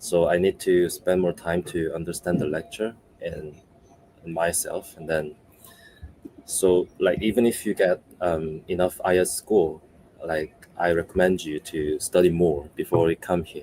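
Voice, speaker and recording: The voice has a dark, mellow tone and a Korean accent. It moves at a moderate pace with monotone, flat intonation. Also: man, very deep, low pitch for a man. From South Korea. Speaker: business analytics student. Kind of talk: panel discussion.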